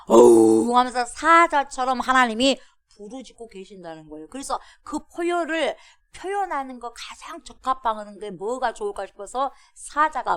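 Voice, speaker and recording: A woman pastor giving an animated expository sermon, calling out to her congregation and acting out a roaring lion. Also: a little high, clear, resonant tone, no echo.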